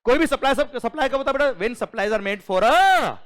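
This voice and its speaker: A middle-aged man teaching tax law in a classroom. His voice sits high and swings widely as he acts out a story and fires questions at his students. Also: expressive, normal speed, a bit bright. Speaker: GST lecturer. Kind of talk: classroom lecture with acted anecdote.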